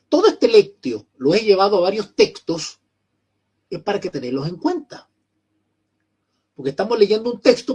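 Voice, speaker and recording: In a high, darkish voice with a Chilean Spanish accent, a man gives an online theology lecture. He often repeats phrases, clears his throat, and puts questions to his students.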